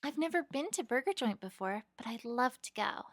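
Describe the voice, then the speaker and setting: Casting: woman playing shy, sweet young heroine for fan fiction drama; high-pitched, gentle, earnest, close dry sound. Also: lively intonation, moderate pace, dry recording. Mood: eager.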